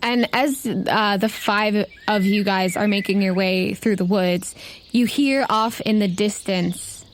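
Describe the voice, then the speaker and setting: A woman's voice: medium pitch, slow pace, a little hiss or hum. A woman running a tabletop game, improvising narration in an informal, conversational way. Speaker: game master.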